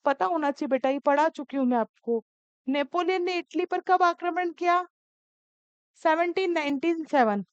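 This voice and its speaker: A woman's voice: very high-pitched, normal speed, dry recording, muffled recording. A woman teaching an exam-prep lesson, calling her students "beta" as she coaxes and scolds them.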